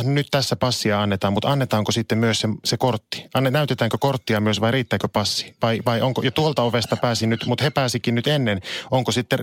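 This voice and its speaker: Male radio co-host, mid-pitched, animated storyteller, dry close studio sound. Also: dry recording. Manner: animated storytelling, acts out others' thoughts. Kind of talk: casual radio chat.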